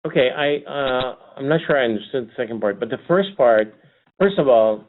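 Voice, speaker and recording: A man answering questions as a company executive on an earnings call, speaking off the cuff with halting restarts, over a narrow phone line. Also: medium pitch, a little hiss or hum.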